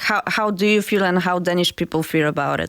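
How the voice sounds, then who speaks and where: A woman's fairly low voice with a Polish accent, on a very clean recording against a silent background. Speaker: entertainment journalist. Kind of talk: interview. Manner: halting.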